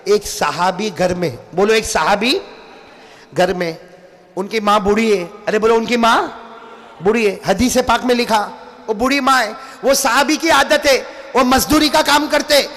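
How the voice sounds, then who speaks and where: A tired man preaching a religious sermon to a gathering, making the crowd repeat after him and swinging between shouted lines and hushed low ones. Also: measured pace. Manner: call-and-response, urging the crowd to repeat. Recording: long hall reverb.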